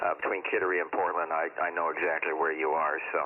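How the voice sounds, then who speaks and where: Fairly quick speech from a man, noticeable background noise behind it. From New England. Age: 70s. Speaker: amateur radio operator. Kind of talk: ham radio contact. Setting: radio contact. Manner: halting, many fillers.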